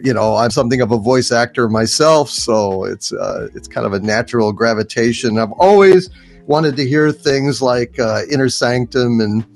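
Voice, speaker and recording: A man chatting casually as a guest, in a halting, rambling way. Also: medium pitch, gravelly. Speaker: guest, voice actor. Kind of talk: casual chat.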